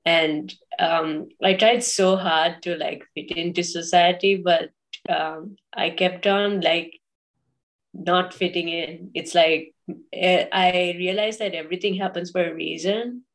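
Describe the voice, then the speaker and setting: A woman from Sri Lanka speaks as a guest on a podcast. Her voice sits low for a woman and barely moves in pitch. She hesitates often, filling gaps with ums and restarting her sentences. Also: steady tone, slow, low-quality recording. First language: English. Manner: hesitant, many fillers and restarts. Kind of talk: casual interview talk.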